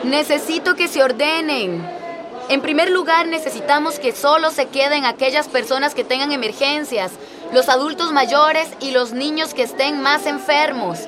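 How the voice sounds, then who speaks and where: An actress playing an overwhelmed clinic worker in a radio drama, loudly pleading with a crowd to keep order. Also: female voice, high-pitched, moderate pace, natural voice. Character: harried female clinic worker facing a crowd. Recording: crowd noise behind.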